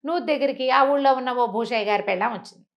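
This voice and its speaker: Fast-talking, high-voiced woman storyteller. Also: creaky, dull audio. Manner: colloquial, conversational. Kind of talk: lively oral folk-tale storytelling.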